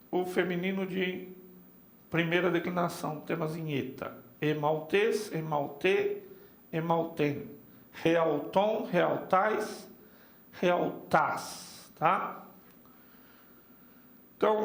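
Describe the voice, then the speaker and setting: A man teaching Biblical Greek in a seminary class, slowly spelling out word forms and checking in with his students. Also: high-pitched, gravelly, roomy sound. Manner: slow, spells out forms, frequent "tá?" and "ó". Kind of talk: classroom lecture. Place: church classroom.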